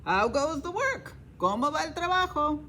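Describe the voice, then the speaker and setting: Woman voicing a bossy old farmer, lazy, demanding call, raised high voice, storybook. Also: sing-song, a little slow, pushed and bright, slight background noise, heavily acted.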